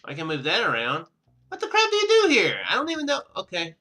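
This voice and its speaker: A man's voice: sits high, wildly swooping pitch, fast talker, bright, forceful tone. A man giving casual let's play commentary as host of a gaming video, rambling and thinking aloud.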